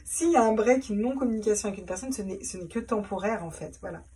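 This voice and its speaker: A woman's voice: medium pitch, fast, warm tone, breathy edge, far from the mic. Chatty woman reading tarot. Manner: chatty, repeats words, laughs at herself. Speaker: tarot reader. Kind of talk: casual tarot reading to camera.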